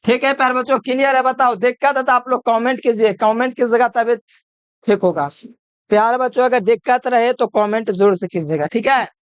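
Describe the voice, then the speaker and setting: A man's voice: very high voice, fairly quick, smooth, no room sound, muffled recording. A man giving a chemistry video lecture, repeating each point and quizzing the listener with call-and-answer questions. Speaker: chemistry teacher. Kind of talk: classroom-style video lecture.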